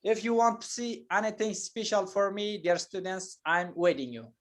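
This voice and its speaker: A man teaching an English lesson, explaining patiently and slowly with many hesitations and fillers. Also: sits high, animated. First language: not Turkish.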